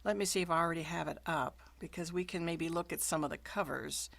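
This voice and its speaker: A woman's voice: on the low side, quick pace, creaky, fairly bright tone. A woman audiobook narrator hosting a casual video call chat, talking with plenty of ums and friendly encouragement.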